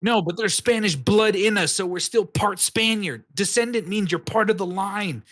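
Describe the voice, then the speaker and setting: A man's voice: high voice, moderate pace, fairly bright tone. A man co-hosting a podcast, rambling through casual, profane chat with many false starts. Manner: rambling, profane, restarts a lot. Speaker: podcast co-host.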